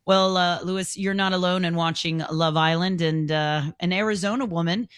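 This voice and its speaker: A man co-hosting a morning radio show, reading off quick news items and chatting in an easygoing way. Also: sits high, steady tone, fairly bright tone, clean tone, no echo, clean studio sound. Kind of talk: reading quick news bits, casual banter. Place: radio studio.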